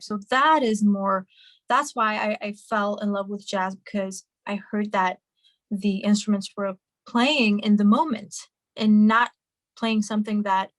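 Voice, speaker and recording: A woman's voice: medium pitch, fairly bright tone, no echo, rough recording. A young woman from Hungary, a singer and musician, answering interview questions in a chatty way with many fillers and restarts over a video call.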